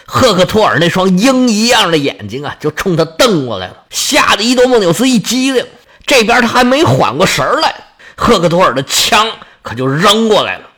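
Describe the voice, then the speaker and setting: A man's voice: high voice, sing-song, a little fast, bright, forceful tone. A man narrating a story dramatically, making sound effects with his voice.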